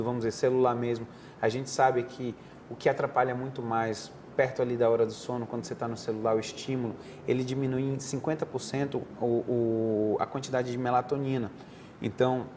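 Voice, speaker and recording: A man's voice: medium pitch, darkish tone, slight background noise. A man who is a head and neck surgeon from Brazil. He answers interview questions in an explanatory, conversational way, often restarting his sentences. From Northeastern Brazil. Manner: didactic, conversational, frequent restarts. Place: TV studio desk.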